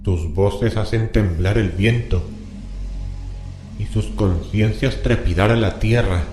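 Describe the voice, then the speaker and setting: A man acts out a grave scholar in a horror radio play, in a very dark, echoing voice over music. He intones forbidden scripture slowly, with solemn dread and an ominous, incantatory weight. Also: lowish voice. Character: grave, horrified scholar reading forbidden occult scripture aloud. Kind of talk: horror radio drama acting. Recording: reverberant voice with music bed.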